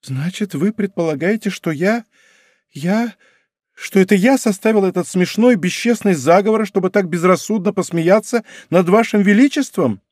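A desperate young woman pours out her love and begs to be believed, as a male audiobook reader puts her on. The voice rides high and fervent, tearful and pleading. It is recorded dry and close, with no room around it. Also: moderate pace, a little mellow, no echo. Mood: indignant. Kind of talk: audiobook character reading.

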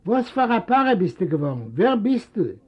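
A man voicing a stubborn, proud old immigrant father who shouts his refusals indignantly, a native Yiddish speaker. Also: high-pitched, sing-song, moderate pace, breathy edge, pitched above the performer's own voice, exaggerated voice. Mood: scornful. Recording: dull lo-fi recording.

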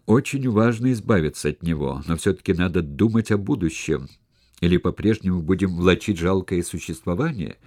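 A shrewd, patient plotter, voiced by a man reading a novel talks his allies down in a measured, persuasive way. His voice is low and mellow, recorded close and dry. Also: dry recording. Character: shrewd, cautious male conspirator, calm schemer. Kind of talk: audiobook character reading.

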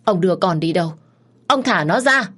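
A woman's voice: animated, normal speed. A woman doing a frantic pleading mother. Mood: panicked. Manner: pleading, voice rising high and loud. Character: desperate middle-aged mother, pleading and sharp.

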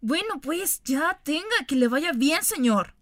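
A woman's voice: high-pitched, sing-song, a little slow, no room sound, studio quality. A woman playing a prim young job clerk in a radio comedy sketch, speaking formally and patiently setting the applicant straight. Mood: exasperated.

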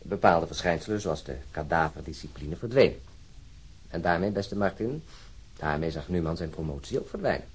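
Radio drama: earnest, disillusioned male cop, lowish husky voice, deliberate and wryly lecturing delivery. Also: animated, heavily acted. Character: disillusioned, earnest male Stockholm police officer, talking at length. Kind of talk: naturalistic radio drama acting.

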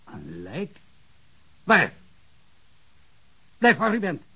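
A man's voice: on the high side, huge pitch swings, drawn-out words, pushed and bright, slight background noise, full character voice. An actor playing an emotional, stammering small-town policeman in a radio drama. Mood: urgent. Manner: stammering, repetitive, rambling.

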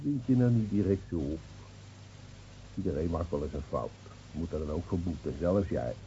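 An actor playing a placid, wry, world-weary village gendarme reasoning soothingly in a radio play. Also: male voice, low voice, expressive, normal speed, warm tone, slight background noise. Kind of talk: Dutch radio play acting. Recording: dull, muffled old radio recording.

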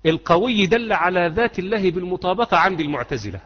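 A man's voice: high-pitched, expressive, quick pace, fairly bright tone. A man with an Egyptian Arabic accent teaching Islamic creed, quizzing students and repeating points until the class answers. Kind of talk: classroom lecture with questions to students. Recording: muffled lecture hall recording with long echo.

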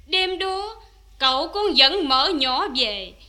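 A woman's voice: sits high, animated, slow pace, bright, forceful tone, exaggerated voice. An actress playing a loyal young female servant who defends her mistress, in sung-spoken cải lương style. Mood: earnest.

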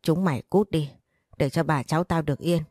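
A woman reading a story voices a frail, fierce and protective elderly grandmother in a low, mellow tone, with pleading, reproachful outbursts. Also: brisk, no room sound, clean studio sound. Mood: furious.

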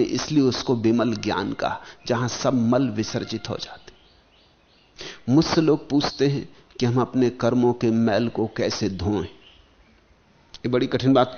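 A man giving a spiritual discourse, speaking in slow rhythmic phrases that swell and sink, and chanting verses slowly. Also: mid-range voice, lo-fi sound. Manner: slow, rhythmic, rising and falling emphasis. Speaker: spiritual teacher.

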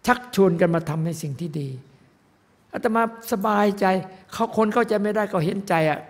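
An older monk delivers a sermon in a high, gravelly voice. His talk is emphatic and rambling, circling back on the same words. The sound carries a long echo from a large hall. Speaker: monk preacher. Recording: echoey hall.

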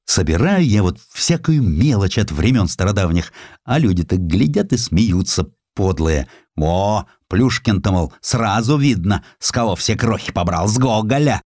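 A man's voice: on the low side, lively intonation, moderate pace, a little mellow, dry recording, clean studio sound. A man voicing a proud, easily aggrieved provincial merchant in an audio drama, with folksy, ceremonious old-fashioned speech.

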